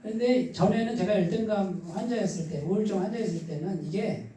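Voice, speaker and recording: A male pastor with a husky, somewhat stifled voice preaches conversationally, putting questions to the congregation and answering them himself. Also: sits high, a little fast, warm tone. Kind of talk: conversational sermon. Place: church midweek service, echoing room. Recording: echoey church hall, distant mic.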